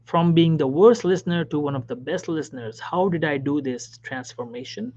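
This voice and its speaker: Emphatic man, slightly high voice, dull recording. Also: moderate pace. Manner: emphatic, repeats key phrases, drops suddenly to soft whispers. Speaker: physician giving career advice. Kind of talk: motivational talk.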